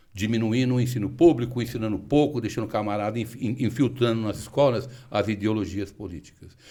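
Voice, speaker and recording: A man's dark, mellow voice at medium pitch, fairly quick, with ordinary pitch variation. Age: 70s. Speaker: criminal defense lawyer. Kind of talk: casual interview chat.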